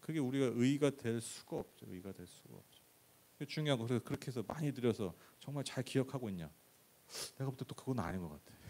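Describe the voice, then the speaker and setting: A man's medium-pitched voice, dark and mellow with vocal fry, lively intonation, a very fast pace and big swings in loudness. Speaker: pastor. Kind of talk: sermon. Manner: speeds up near the end.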